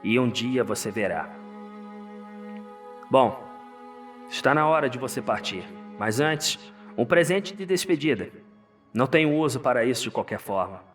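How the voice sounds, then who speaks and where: A man's voice: mid-range voice, lively intonation, moderate pace, long pauses, a bit bright, distant mic, faint music behind, voice pushed up, lightly acted. A man voicing a weary old hunter, solemn and cryptic, in an audio drama. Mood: grave, foreboding.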